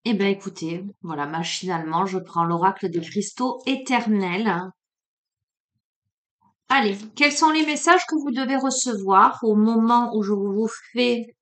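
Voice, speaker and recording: Slow, unhurried woman with a southern French accent. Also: medium pitch, a bit bright. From Marseille, France. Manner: hesitant, many fillers, drowsy and unhurried. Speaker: card reader. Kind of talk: casual oracle card reading.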